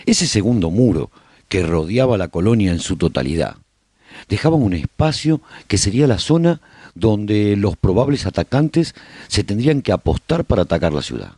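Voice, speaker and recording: A male survivor of the apocalypse narrating a scripted radio serial. His voice is low and husky, with expressive, animated storytelling. It is recorded close and dry. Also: normal speed, dry recording, full character voice. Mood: reflective, wry. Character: male survivor recounting life in a post-apocalyptic colony. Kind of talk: scripted first-person radio drama narration.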